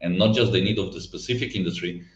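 A man's voice: sits low, fast. A non-native English-speaking man with a foreign accent, explaining things conversationally and searching for words at times. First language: not English. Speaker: event technology company guest. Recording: roomy, slightly dull lo-fi sound.

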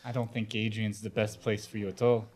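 A man's voice: lowish voice, level tone, a little fast, a little mellow. A man playing a tabletop role-playing game, talking casually and in character. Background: music.

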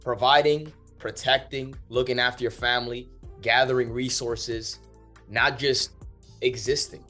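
A man from the Dominican Republic speaks as a guest in a casual motivational chat. His mid-pitched voice is emphatic and sweary, often checking that he is followed, over faint music. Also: steady tone, measured pace, pushed and bright. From Dominican Republic, moved to the United States at seven. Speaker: guest, men's movement leader. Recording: music behind the voice.

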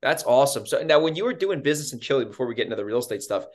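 A man's voice: mid-range voice, lively intonation, rapid-fire. Upbeat male podcast host. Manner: upbeat, conversational, frequent fillers. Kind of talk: casual interview chat.

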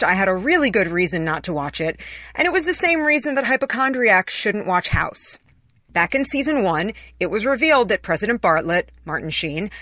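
A woman reads aloud a first-person essay she wrote, telling it in a conversational, personal storytelling way. Her voice is medium-pitched and a bit bright, and the recording is dry.

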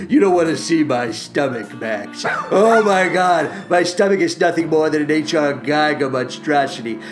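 A man's voice: a little high, lightly acted. A man voicing a furry, self-pitying creature who grumbles about Christmas and sobs melodramatically. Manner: whiny, sobbing, melodramatic self-pity. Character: whiny furry green Christmas-hating male creature. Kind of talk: comedic ad parody.

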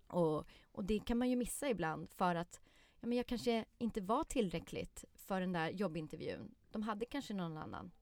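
A woman who is a guest on a podcast, telling a lively personal story in casual chat and acting out the quotes. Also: fairly low pitch, no echo. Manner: lively storyteller, many fillers and restarts, acts out quotes.

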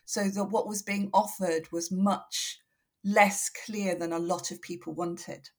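A woman academic giving explanatory interview answers in a measured, analytical way, correcting herself as she goes. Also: medium pitch, steady tone. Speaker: academic researcher, interview guest.

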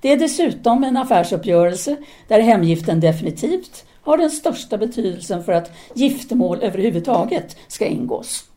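A woman's voice: mid-range voice, expressive, hardly any pauses, dark tone, natural voice. An actress playing a self-assured, seductive intellectual woman, a didactic and teasing free thinker in an audio drama. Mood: firm, didactic.

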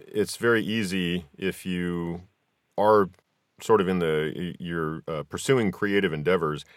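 Very deep-voiced man hosting. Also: no room sound, studio quality. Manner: affirming, encouraging. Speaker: podcast host. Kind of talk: casual interview.

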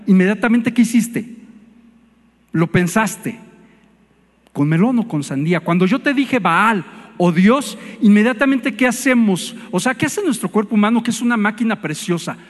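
A man preaches to his congregation, talking to them as in conversation and putting questions to them. His voice sits high for a man. A long reverb from the hall trails after his words. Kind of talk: sermon.

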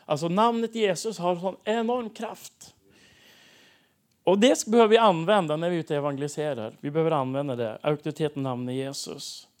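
Animated male preacher telling stories. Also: on the high side. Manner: animated, acts out dialogue in stories. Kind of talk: sermon testimony storytelling.

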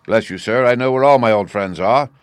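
A man voicing a wizened old sailor in an audiobook, sly and over-familiar, with rough seaman's speech. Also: mid-range voice, fairly quick, no echo, lightly acted. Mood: wheedling, sinister. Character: wizened, crafty old sailor, cringing yet sinister.

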